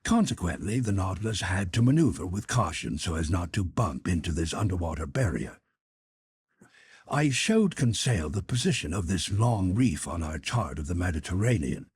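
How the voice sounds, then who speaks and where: Guy reading a classic novel, measured and formal but really animated pitch, totally dry recording. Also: slightly rough, no room sound. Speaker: audiobook narrator. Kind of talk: scripted literary narration.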